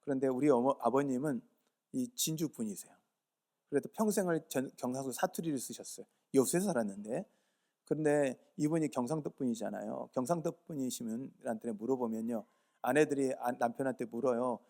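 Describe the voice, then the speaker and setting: A man's voice: medium pitch, brisk, mellow. A pastor from Yeosu in South Korea, preaching a sermon at a church service. He earnestly urges the congregation and answers his own rhetorical questions. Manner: earnest, urging.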